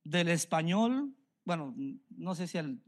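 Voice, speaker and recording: A man's voice: fairly high pitch, sing-song, slow pace. A middle-aged man from Mexico with a Mexican Spanish accent, preaching a sermon earnestly and repeating phrases for emphasis. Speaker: pastor.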